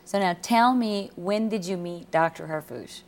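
A woman's voice: fairly low pitch, a little slow. A woman hosting a Christian television interview, sympathetically summing up her guest's story in dramatic terms.

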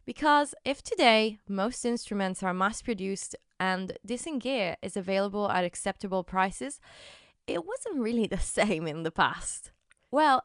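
With a clear, resonant mid-range voice, this podcast host tells a scripted story and talks straight to her audience, adding personal asides. The recording is clean studio sound with no echo.

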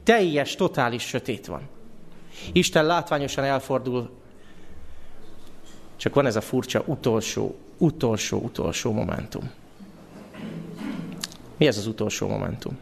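Man preaching an animated sermon. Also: medium pitch, creaky, pauses often. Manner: animated, asks the congregation questions. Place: church.

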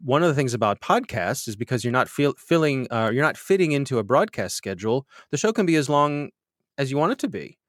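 A man hosting a podcast, chatting with self-deprecating humor and getting animated when he tells stories, with a slightly nasal voice. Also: medium pitch, brisk, dry recording, clean studio sound. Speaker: podcast host. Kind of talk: conversational interview answers.

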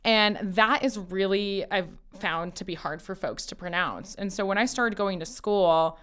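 A woman's voice: mid-range voice, unhurried, a bit bright, smooth. A woman whose first language is Farsi, a family lawyer talking casually as an interview guest, laughing easily and quoting her parents. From Colorado, USA.

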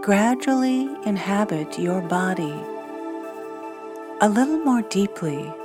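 A woman guiding a scripted meditation in a gentle, soothing, soft-spoken way, leaving long pauses between short phrases. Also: medium pitch. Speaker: meditation guide. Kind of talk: scripted guided meditation narration. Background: new-age music.

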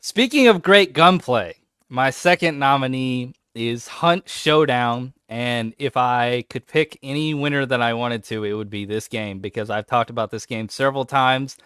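A man's voice: medium pitch, measured pace, clear, resonant tone, no room sound, studio quality. A man co-hosting a podcast in casual chat, talking with growing enthusiasm. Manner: enthusiastic, animated when excited. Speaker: podcast co-host.

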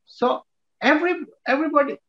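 A man's voice: extremely high pitch, a little fast, bright, forceful tone, echoey room. A man with an Indian accent giving a teaching talk as a Christian preacher, speaking in short, emphatic phrases with repetition. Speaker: Christian preacher and evangelism trainer. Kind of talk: teaching talk to church workers. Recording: dull, muffled lo-fi audio.

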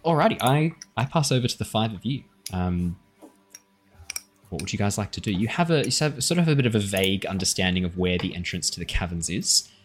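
A man's voice: fairly low pitch, animated, fairly quick, slight background noise. A man running a tabletop game as game master, improvising narration and chatting with the players in a self-deprecating, apologetic way.

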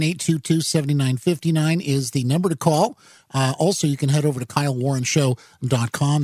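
The host of a talk radio show discusses the news in a mid-range, darkish voice, recorded on a studio mic with no room sound. His commentary rambles and stalls, with many fillers and moments where he corrects himself.

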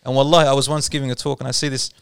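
A man's voice: medium pitch, flat delivery, very fast, creaky, fairly bright tone, smooth, dry recording, studio quality. A man from Australia explaining a religious idea in casual conversation, patiently telling anecdotes and mixing in Arabic terms. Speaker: Islamic speaker.

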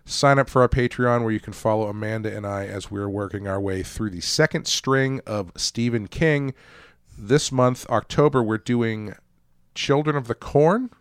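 A man's voice: medium pitch, moderate pace, clean tone, no room sound, clean studio sound. A man co-hosting a casual film podcast, rambling with restarts and chuckles. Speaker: podcast co-host.

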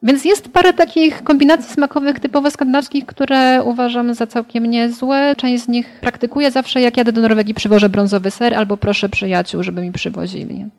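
A woman, a literary translator, giving her views in a relaxed podcast discussion. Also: fairly high pitch, a little fast, few pauses.

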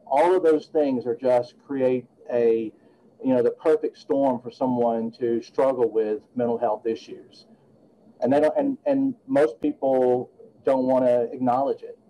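A man's voice: medium pitch, steady tone, unhurried, mellow, slight background noise, low-quality recording. A man in his late fifties, a guest attorney talking earnestly and reflectively in a podcast interview. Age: 50s.

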